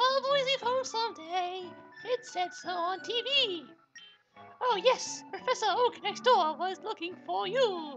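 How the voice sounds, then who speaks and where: Female-sounding put-on character voice at an extremely high pitch and a fairly slow pace, with faint music in the background. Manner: weird, odd.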